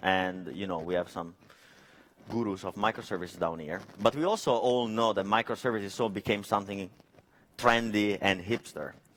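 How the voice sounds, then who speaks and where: With an Italian accent, a man talks at a moderate pace in a fairly low pitch with ordinary pitch variation. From Italy. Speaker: software engineer, conference speaker. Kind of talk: conference talk. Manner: halting, many fillers.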